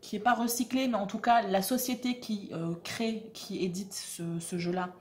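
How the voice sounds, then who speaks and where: A woman's voice: medium pitch, normal speed, a little mellow. A woman, hosting a tarot channel and presenting a deck in a chatty, self-mocking way with many fillers. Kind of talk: casual presentation to camera.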